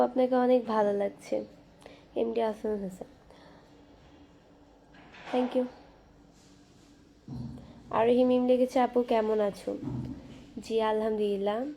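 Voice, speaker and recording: A young woman hosting a casual live stream from her phone, reading viewer comments aloud and chatting back in a soft, quiet voice. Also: a little high, gravelly, a little hiss or hum. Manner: soft-spoken, talking quietly and slowly. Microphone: phone camera.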